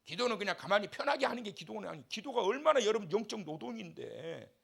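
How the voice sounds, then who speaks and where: Male pastor at a revival service, lively animated pitch, shouts then drops to soft asides, leads the congregation in call-and-response. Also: fast talker, creaky, husky. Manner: impassioned, shifts between shouting and soft asides. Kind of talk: revival sermon. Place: church sanctuary.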